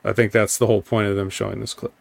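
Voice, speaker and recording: A man's voice: lowish voice, flat delivery, fast talker, gravelly, dry recording. A man hosting a podcast, recapping a wrestling show in a rambling, sarcastic way with lots of ums. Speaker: podcast host. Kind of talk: casual wrestling recap chat.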